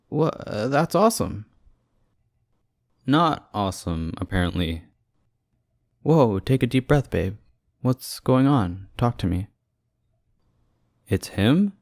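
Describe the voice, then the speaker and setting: A man's voice: mid-range voice, a little mellow, no echo, studio quality. A young man playing a devoted, panicky boyfriend with casual, sarcastic asides in an audio roleplay. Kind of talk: ASMR audio roleplay acting.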